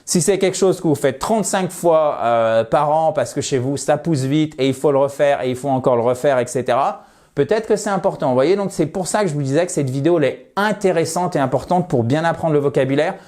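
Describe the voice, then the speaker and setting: A French man teaching English vocabulary. He switches between chatty explanations and slow, drilled repetition of words. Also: fairly high pitch, darkish tone. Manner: slows down to model words, drills pronunciation; chatty, asks rhetorical questions. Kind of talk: vocabulary lesson.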